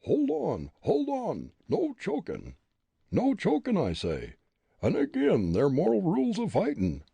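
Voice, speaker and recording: A man voicing a loud, boastful backwoods ruffian who talks in a blustering drawl. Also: on the high side, wildly swooping pitch, moderate pace, slightly rough, dry recording, pitched above the performer's own voice, exaggerated voice. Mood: pleading.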